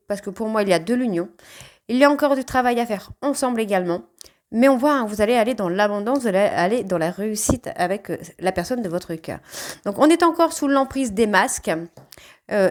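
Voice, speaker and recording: A woman with a northern French ch'ti accent giving a casual spoken tarot reading, often tagging her sentences with "hein". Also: mid-range voice. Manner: chatty, frequent "hein" tags. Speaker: tarot card reader.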